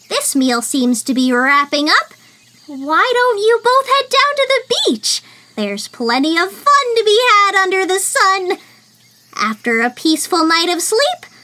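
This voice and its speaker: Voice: very high-pitched, background noise, heavily acted. A performer voicing a cheerful, hospitable young tour guide character in an audio drama.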